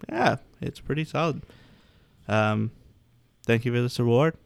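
A man's voice: mid-range voice, a little slow, gravelly, clean tone, no room sound. A man playing in a tabletop role-playing game, slipping between in-character banter and casual chat.

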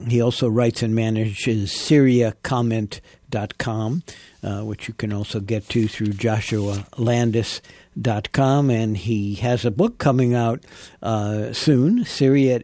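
A male podcast host introducing and interviewing a guest, speaking haltingly with many fillers. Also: medium pitch, mellow, no room sound.

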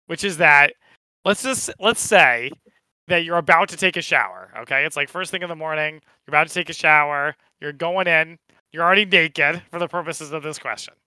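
A man's voice: on the high side, normal speed, bright, forceful tone, no room sound, low-quality recording. A man co-hosting a casual podcast chat, playful and teasing as he poses questions. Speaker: podcast co-host asking questions.

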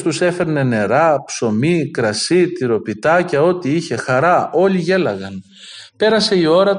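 A man preaching, telling stories of an elder in an earnest way and acting out the dialogue. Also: fairly high pitch. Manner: earnest, lively quoting of dialogue. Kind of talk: sermon storytelling.

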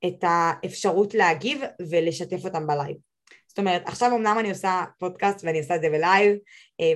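A young woman speaks as a podcast guest in a casual, animated way. Her voice sits in a middle register and climbs sharply when she gets insistent about her advice. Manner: animated and emphatic, rising high when giving advice. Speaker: podcast guest, social media expert.

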